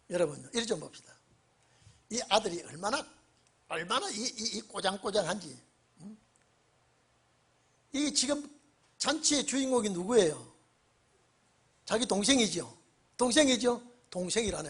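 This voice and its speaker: A male pastor giving an evening church sermon, emphatic and prodding his congregation with repeated questions, swinging between loud bursts and quiet low phrases. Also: big pitch swings, moderate pace, long pauses, slightly rough. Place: church sanctuary during an evening service.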